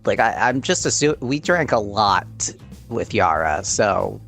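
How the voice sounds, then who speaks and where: A man's voice: fairly low pitch, very animated, a little slow, creaky, fairly bright tone, faint music behind. A man playing a tabletop game, bantering casually as he improvises.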